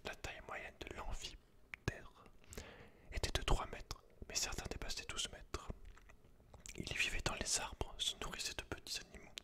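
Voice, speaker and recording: A man whispering in breathy ASMR style, reading aloud with informal, slangy asides, close to the microphone. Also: normal speed, long pauses, sharp tone. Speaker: host of an ASMR channel.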